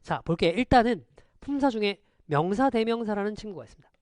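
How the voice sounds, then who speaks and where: A male English teacher delivers an online lecture in a dry, close, animated, slightly mellow voice whose pitch swings widely. He throws rapid rhetorical questions at students and slides between polite and casual speech, with no echo.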